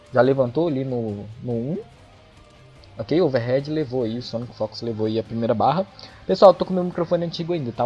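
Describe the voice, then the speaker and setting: A man with an excitable, chatty manner who swears often, commentating a fighting-game match for his channel. His voice comes through the dull, lo-fi sound of an old microphone. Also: medium pitch, slightly rough. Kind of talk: casual esports match commentary. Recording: dull lo-fi microphone, faint music behind.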